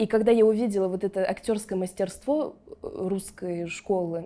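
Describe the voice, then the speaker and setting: Her intonation is fairly even. The woman's tone is dark and mellow. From France. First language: French (speaking Russian). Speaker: actress. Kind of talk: interview.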